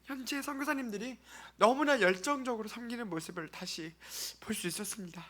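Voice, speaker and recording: Addressing his congregation as a church member, a man from South Korea earnestly recounts a mission trip, halting and pausing as he goes. He sounds very high-pitched and a bit bright.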